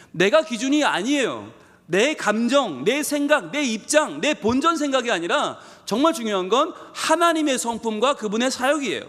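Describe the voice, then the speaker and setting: A man's voice: a bit bright, big-room sound. A man, a pastor, preaching a Sunday sermon with emphatic delivery, acting out a prophet's complaints. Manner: emphatic preaching, voicing Jonah's complaints with rising pitch. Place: church sanctuary.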